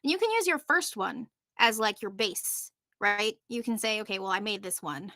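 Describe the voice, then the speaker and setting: Bright-voiced woman giving an informal panel talk. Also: mid-range voice, creaky, no room sound, clean studio sound. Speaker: panelist presenting on podcast marketing.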